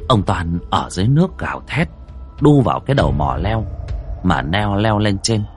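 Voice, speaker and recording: A man's voice: on the low side, very animated, moderate pace, soft background music. A man narrating a ghost story in a vivid, suspenseful way. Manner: vivid, suspenseful, swings widely between hush and alarm. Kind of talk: dramatic storytelling.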